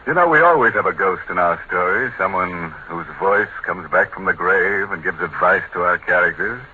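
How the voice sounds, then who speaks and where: A man's voice: sits low, moderate pace, a little hiss or hum. A man hosting a 1940s radio horror show, with mock-sinister delivery and macabre jokes. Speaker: host and announcer. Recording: muffled 1940s radio broadcast with music.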